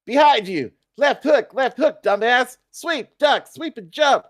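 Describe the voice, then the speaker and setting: Man as a bossy, high-pitched teenage girl. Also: expressive, measured pace. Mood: bossy urgency. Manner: barked, urgent commands. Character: bossy, foul-mouthed teenage girl shouting fight instructions.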